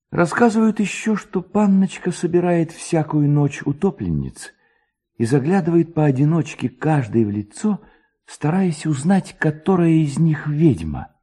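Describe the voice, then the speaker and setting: A man's voice: fairly high pitch, mellow, breathy edge, voice pushed up, full character voice. A man voicing a young village lad telling eerie legends with dramatic, suspenseful tenderness in a literary audiobook. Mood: wry, tender.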